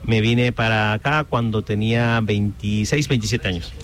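A man's voice: lowish voice, steady tone, moderate pace. Honduran-born man, slight background hum. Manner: affirming, plain-spoken, hesitant fillers. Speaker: guest, local Spanish-language media director. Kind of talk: casual interview.

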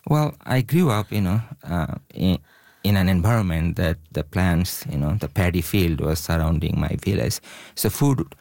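A man's voice: low-pitched, animated, normal speed, gravelly, a little mellow, no echo. A man, a scientist speaking as a radio interview guest, earnest and full of "you know" fillers. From Bangladesh. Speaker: scientist, event organizer.

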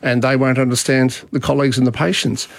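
A middle-aged man with an Australian accent hosts a talkback radio show. He chats in a relaxed way and stumbles over repeated words as he restarts. His voice sits at an average pitch, recorded dry and close. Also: quick pace, vocal fry, no room sound. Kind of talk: casual talkback chat.

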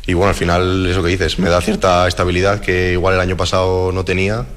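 Young man, very deep voice, calm, composed, interview answers. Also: fast. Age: young adult. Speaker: handball player.

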